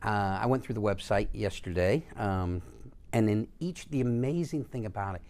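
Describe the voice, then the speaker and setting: Very deep-voiced male talk show host. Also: lively intonation, darkish tone. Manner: casual, halting questions with "uh" and restarts. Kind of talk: interview questions. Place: studio.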